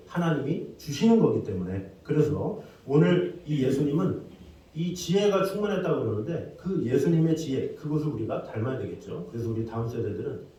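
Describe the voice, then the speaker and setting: Male pastor, children's sermon, lively delivery, dark tone, distant mic in a booming church hall. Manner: acts out story voices, asks the congregation questions. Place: church sanctuary.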